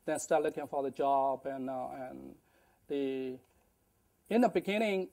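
A middle-aged man telling his life story in a halting lecture, with many fillers and restarts, on a lapel mic in a large indoor kitchen. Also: medium pitch, creaky, dark tone. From Burma. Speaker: guest speaker.

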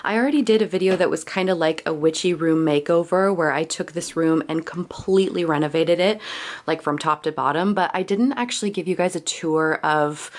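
A woman's voice: deep voice, fairly quick. A young woman with a congested cold voice, chattily narrating a tour of her room in a casual, thorough way. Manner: chatty, thorough, laughs often. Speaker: occult vlogger. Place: home bedroom.

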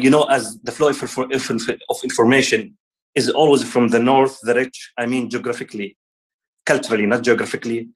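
A man in his thirties from Palestine, speaking earnestly over a video call at an online ceremony, often halting and restarting words. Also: medium pitch, rough recording. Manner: gestures with hands while talking. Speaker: guest speaker.

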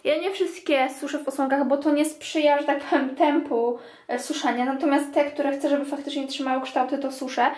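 A woman's voice: high voice, fairly even intonation, fairly quick, a little mellow, reverberant. A young woman chatting casually to her viewers while cleaning her bathroom and washing makeup brushes. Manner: chatty, addresses viewers as "girls". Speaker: beauty vlogger. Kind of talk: casual clean-with-me vlog narration. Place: home bathroom.

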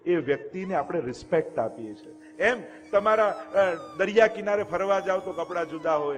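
Man preaching in an echoey hall. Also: on the high side. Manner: conversational preaching with rhetorical questions. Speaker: religious speaker. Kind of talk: devotional discourse.

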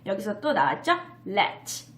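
A woman teaching parents simple English phrases from a picture book, playful and laughing, modeling each phrase slowly. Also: mid-range voice, very animated, a bit bright, reverberant.

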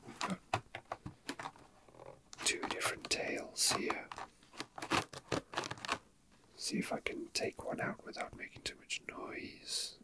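A man whispering softly and breathily in a casual, hesitant ASMR style, chatting and reading aloud without hurry. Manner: slow, hesitant, unhurried. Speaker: ASMR video creator. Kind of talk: whispered ASMR, casual chat with read-out facts.

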